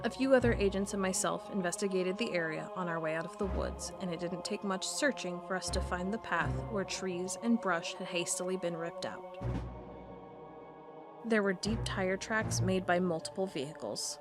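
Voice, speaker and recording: Woman narrating over background music. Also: on the low side. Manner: measured, deliberate report-like telling. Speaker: narrator playing a field agent. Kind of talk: scripted first-person audio-drama narration.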